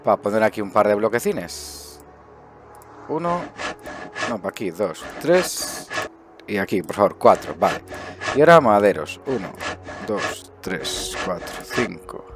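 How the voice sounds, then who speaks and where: Male gaming host, middle-aged, Spain accent, lowish voice, chatty think-aloud commentary over faint music. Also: sing-song, moderate pace, pauses often. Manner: chatty, thinking aloud with muttered asides and self-questions. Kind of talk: casual improvised gameplay commentary. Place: indoors at a desk, webcam view.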